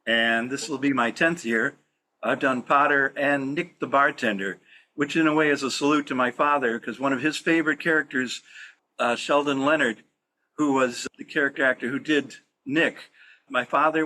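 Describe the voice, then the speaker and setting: A man's voice: mid-range voice, steady tone, normal speed, sharp tone, rough recording. A man who acts in community radio plays, telling anecdotes in a podcast interview. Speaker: community radio play actor. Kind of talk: podcast storytelling.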